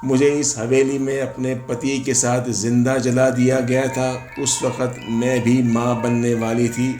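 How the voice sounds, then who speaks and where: A man voicing the ghost of a woman burned alive, speaking in a soft, menacing way, recorded in an echoey room with faint music. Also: medium pitch, little pitch movement, natural voice.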